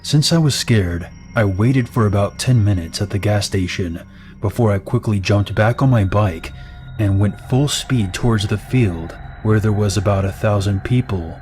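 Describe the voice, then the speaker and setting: A man with a low voice reads out true scary stories in a calm, steady way. Faint music plays underneath his narration. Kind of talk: scripted narration of reader-submitted scary stories.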